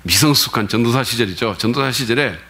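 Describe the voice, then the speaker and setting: A man's voice: mid-range voice, quick pace, sharp tone. A male pastor preaching a Sunday sermon in a conversational way, often putting questions to the congregation.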